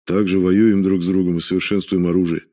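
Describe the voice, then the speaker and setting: Guy doing a nosy army major, keeps pressing with questions, deep and mellow. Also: little pitch movement, a little fast, lightly acted. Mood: curious. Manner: probing, questioning. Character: inquisitive foreign army major, male, middle-aged.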